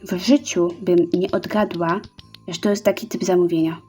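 A woman gives relaxed let's-play commentary in a warm, mellow voice. She chats as she goes, reading orders aloud and counting out each step. Quiet game music runs underneath. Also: lowish voice, moderate pace. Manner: chatty, reads orders aloud and counts out steps. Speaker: gaming YouTuber.

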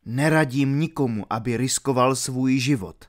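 A man's voice: mid-range voice, close to an everyday voice. A man voicing a bold young outlaw chief. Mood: defiant. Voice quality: ringing, metallic when loud. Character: bold young male outlaw leader, daring and commanding.

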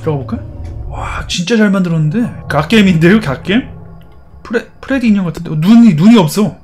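A man's voice: high voice, brisk, a little mellow, faint music behind. A man playing a horror game and commenting, teasing the characters in playful chatter. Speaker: gaming YouTuber.

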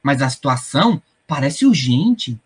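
A woman's voice: extremely low pitch, sing-song, unhurried, a little mellow, slightly rough, full character voice. A Brazilian woman playing a cheeky, evasive teenage son in an audio drama, with exaggerated innocence. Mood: eager, sly.

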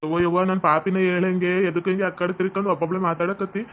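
Man as a whiny young village husband, rapid pleading, muffled lo-fi sound. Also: high voice, level tone, natural voice. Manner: whining, pleading, repeating himself.

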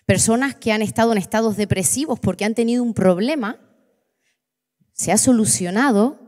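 A woman, preaching and giving her testimony, impassioned, slowing down on key words for emphasis. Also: on the high side, darkish tone. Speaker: preacher leading a church workshop. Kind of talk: sermon with personal testimony. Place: church hall. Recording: long reverberant church hall.

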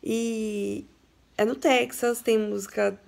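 Young woman from Brazil, casual vlog host, chatty and emotional, gravelly fry, recorded at home. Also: on the high side, fairly even intonation, slow pace, a little mellow. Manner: chatty, emotional, laughs and cries with joy. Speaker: book vlogger. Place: home, her bedroom.

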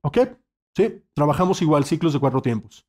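A man leads an online saxophone lesson. His voice sits a little high, and he speaks patiently, checking in often with the student. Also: normal speed, darkish tone. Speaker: saxophone teacher.

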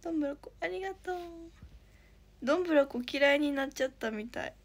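A young idol trainee, up all night without rest, talks fast in a high voice while livestreaming from her phone at home. She chats casually through viewer comments, thanking people in a chirpy tone and at times whispering.

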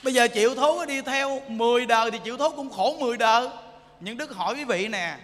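A man giving an animated sermon as a Buddhist monk, teasing the audience and often asking them if they understand. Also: very high-pitched, brisk, a little hiss or hum. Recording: echoey hall.

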